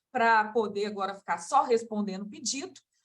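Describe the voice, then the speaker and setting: A woman with a Minas Gerais accent speaks at a moderate pace in a bright, sharp tone. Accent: Minas Gerais accent, noticeable. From Minas Gerais, Brazil. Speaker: federal attorney and law professor. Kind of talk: panel debate talk. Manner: hesitant, many fillers.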